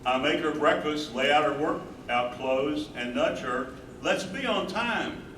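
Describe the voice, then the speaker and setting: Devoted older husband and caregiver played by a man, tender, fairly high voice, stage reading in a noisy room. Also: animated, unhurried. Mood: regretful, earnest. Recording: roomy distant stage mic, loud noise.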